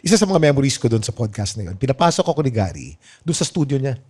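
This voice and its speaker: A man's voice: mid-range voice, big pitch swings, rapid-fire, a little mellow, slightly rough. A man with a Filipino accent hosting a podcast, giving appreciative replies and switching between Tagalog and English. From Philippines. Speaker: podcast host. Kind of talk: casual podcast interview.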